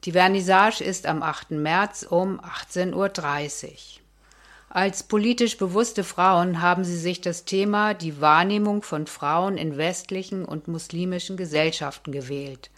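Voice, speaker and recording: A woman's voice: on the low side, unhurried, fairly bright tone. A woman radio host reading a scripted introduction of her guests fluently.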